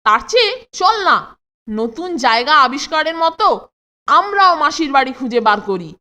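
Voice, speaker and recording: A woman voicing an adventurous, cheeky boy in a children's cartoon, with an animated, teasing delivery. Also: sits high, moderate pace, exaggerated voice. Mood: coaxing, upbeat. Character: adventurous, cheeky Bengali cartoon boy, coaxing his pal.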